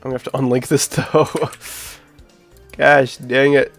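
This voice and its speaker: Man streaming while sick, nasal voice, chatty, mid-pitched, faint music behind. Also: little pitch movement, unhurried, vocal fry, a bit bright. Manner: chatty, talks to chat while working. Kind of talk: casual live-stream chat while building a game level.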